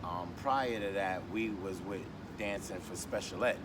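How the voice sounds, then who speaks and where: A man recalls old days in a loose, rambling way, full of ums and restarts. He sits back from the mic, and the sound is thin and distant. Street noise runs clearly behind him. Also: low voice, measured pace. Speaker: podcast guest. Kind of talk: casual storytelling chat.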